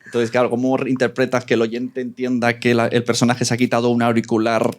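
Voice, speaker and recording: A man with an accent from Spain talking casually in a panel discussion, chatty and quick to interject. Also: mid-range voice, monotone.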